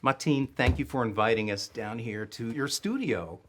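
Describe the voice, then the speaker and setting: A man's voice: medium pitch, normal speed, a bit bright, a little hiss or hum. A man hosting a conversational on-location interview, speaking in an informal, enthusiastic way. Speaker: host interviewer.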